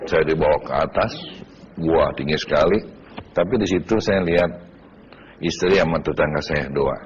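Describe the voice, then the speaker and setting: A man's voice: extremely low pitch, normal speed. A man guest recalling his near-death experience in plain, hesitant words. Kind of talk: personal testimony. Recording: dull lo-fi TV audio, faint noise.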